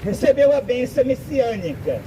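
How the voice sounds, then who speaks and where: A Brazilian man preaching a sermon outdoors, speaking in slow, deliberate, drawn-out phrases. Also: very high-pitched, sing-song. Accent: Brazilian Portuguese. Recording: outdoor street noise with traffic.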